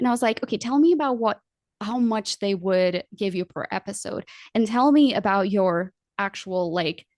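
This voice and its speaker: A woman with a non-native accent speaks in a medium pitch with lively intonation over a quiet background. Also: moderate pace, dry, close sound with no echo. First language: not English. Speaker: podcast strategist. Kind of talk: interview conversation. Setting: podcast interview. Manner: conversational, many fillers and restarts.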